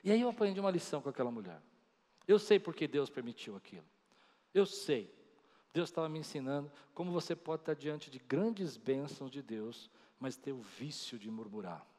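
His voice sits at medium pitch, somewhat mellow and expressive, and moves at a moderate pace. The pastor animates his sermon stories by acting out the voices of other characters. Everything echoes with the long reverb of a large hall.

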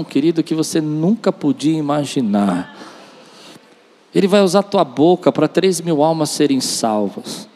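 High-voiced man preaching in a reverberant hall. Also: darkish tone. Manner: emphatic, with repetition and acted-out dialogue. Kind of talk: charismatic church sermon. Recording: long reverb of a large hall.

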